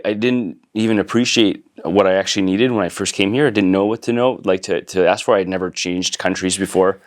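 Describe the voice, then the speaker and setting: A low, smooth-voiced Canadian man in his forties talks through his story as an interview guest. He takes his time, with plenty of ums and self-corrections. His voice stays resonant and clear throughout. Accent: Canadian English. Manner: relaxed, thoughtful, many fillers and restarts. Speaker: guest entrepreneur. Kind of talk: casual interview conversation.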